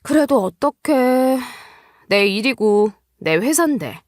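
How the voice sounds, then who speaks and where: A woman's voice: a little high, expressive, slow pace, no room sound, studio quality. A woman acting an anxious pregnant company boss in an audio story. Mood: anxious, torn. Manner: anxious, hesitant.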